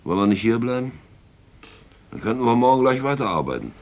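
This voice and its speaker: An actor playing an easygoing, unbothered black-market trader's partner, talking casually in a radio play. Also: male voice, mid-range voice, very animated, fast, a little mellow. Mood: matter-of-fact. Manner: casual, colloquial.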